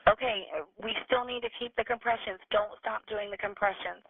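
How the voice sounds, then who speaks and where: A woman's voice: medium pitch, fairly even intonation, fairly quick, husky, no echo. A woman working as an emergency dispatcher, asking questions and giving procedural instructions over a tinny phone line. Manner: procedural, directive.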